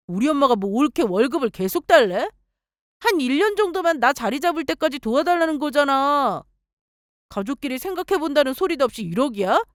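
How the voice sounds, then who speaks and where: A resentful sister-in-law, as a woman narrator puts her on, talking high and sharp with big leaps in pitch. She accuses and complains in the style of a radio storybook drama. The recording is dry and close. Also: no echo, full character voice.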